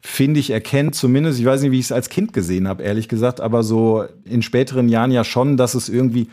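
A man's voice: medium pitch, fast, mellow. A man co-hosting a podcast in casual chat, rambling and correcting himself as he talks. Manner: rambling, self-correcting, hesitant. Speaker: podcast co-host.

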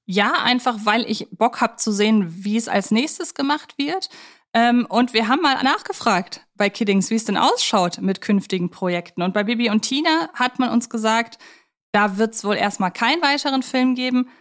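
A woman's voice: a little high, animated, moderate pace, a bit bright. Woman chatting casually on a film podcast. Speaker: podcast co-host.

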